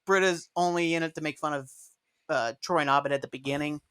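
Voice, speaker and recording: A man's voice: on the high side, fairly even intonation, a little fast, a bit bright, clear, resonant tone. A man hosting a podcast, chatting casually and rambling with fillers and frequent laughs. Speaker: podcast host. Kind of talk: casual chat.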